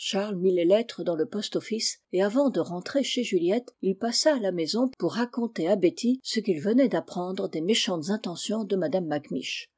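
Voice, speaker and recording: A woman reading a classic novel aloud in calm, measured storybook narration. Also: mid-range voice, slightly rough. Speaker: audiobook reader. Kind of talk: scripted narration.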